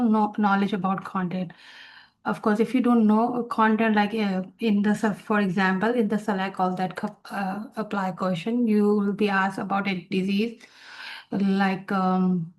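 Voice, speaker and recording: A woman with a South Asian accent and native Urdu gives an informal exam review lecture in a halting, repetitive, encouraging way. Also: medium pitch, a little mellow. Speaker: exam review instructor for nursing students. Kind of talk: informal lecture, explaining tips.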